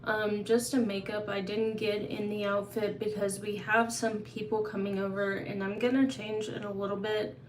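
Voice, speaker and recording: A woman's voice: medium pitch, flat delivery, moderate pace, few pauses. A chatty woman hosts a casual livestream Q&A. Her voice stays fairly level with little rise and fall. The room is echoey, with a faint hum of ambience behind her. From Oklahoma. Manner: chatty, open, answers viewers' questions. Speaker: livestream host. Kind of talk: casual live Q&A.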